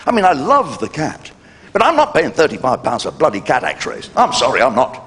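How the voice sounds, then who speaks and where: An older man doing a live stand-up comedy routine, brash and cheeky, with sudden jumps in pitch for punchlines. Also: huge pitch swings, a little fast, fairly bright tone. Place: live venue with audience laughter.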